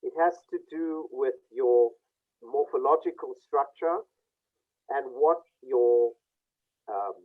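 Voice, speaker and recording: A man on a video call reading a participant's face for a group session, speaking reflectively with pauses. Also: mid-range voice. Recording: tinny phone-like call audio.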